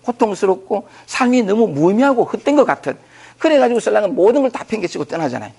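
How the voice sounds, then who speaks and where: A man gives an informal spiritual talk in a rather high voice. His tone is gravelly and husky. He rambles conversationally, circling back with fillers as he explains. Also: very animated, quick pace, dark tone. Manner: conversational, loose and repetitive, thinking aloud with many fillers. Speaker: spiritual teacher lecturing on scripture. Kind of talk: informal dharma talk to a group.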